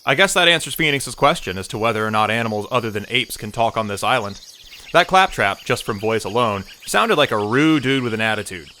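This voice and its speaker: A man's voice: medium pitch, expressive, fairly quick, sharp tone, a little hiss or hum. A man delivering scripted audio drama narration as the narrator, with wry asides.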